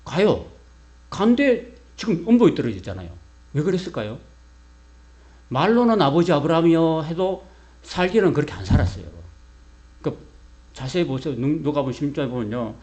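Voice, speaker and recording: A man's voice: fairly high pitch, very animated, fairly quick, dark tone. A man preaching a sermon from the pulpit. He peppers the congregation with questions and answers them himself. A faint electrical hum runs under his voice. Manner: leads a call-and-response with the congregation. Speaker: pastor.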